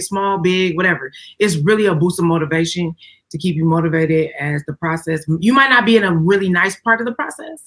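A woman with a fairly low voice and an African American English accent. She hosts in a casual, motivational chat style. She is emphatic, repeating phrases and often checking that the listener follows. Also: fairly bright tone. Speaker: podcast host.

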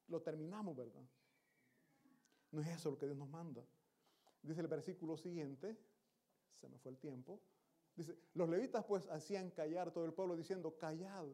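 A pastor delivers a Sunday sermon to his congregation, exhorting them and putting questions to them. His voice sits somewhat high for a man. His tone is mellow and relaxed. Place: church service.

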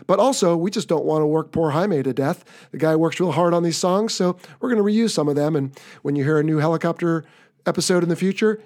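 A man's voice: on the high side, a little mellow. An American man hosting a podcast, chatting casually and upbeat as he wraps up an episode. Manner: upbeat, chatty, wrapping up the show. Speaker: podcast host.

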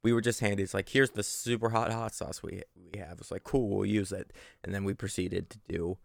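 Here a man with a fairly low, level voice and vocal fry talks a little fast. He co-hosts a podcast, chatting and telling stories casually, informally and with mild profanity, in clean studio sound without room tone.

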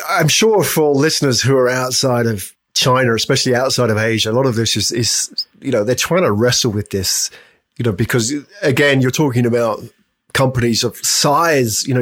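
A man hosts a relaxed, conversational interview. He has a mid-range voice and a talkative, rambling way of building up to his questions. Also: medium pitch, normal speed. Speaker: podcast host interviewing a guest.

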